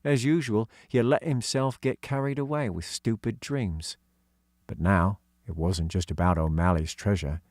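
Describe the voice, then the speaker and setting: A man's voice: fairly low pitch, steady tone, moderate pace, darkish tone, no room sound, studio quality. A man reading scripted story narration as an audiobook narrator.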